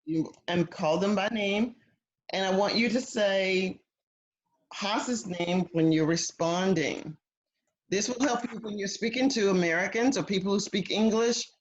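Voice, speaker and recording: A woman's voice: medium pitch, a little slow, slight background noise. A woman teaching an English conversation class over a video call, patient and encouraging. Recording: dull lo-fi video call audio.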